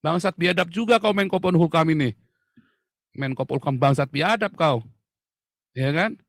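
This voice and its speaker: A man delivering an angry political rant, shouting insults and hammering points through repetition. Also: on the high side, moderate pace, dry recording, studio quality. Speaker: online commentator.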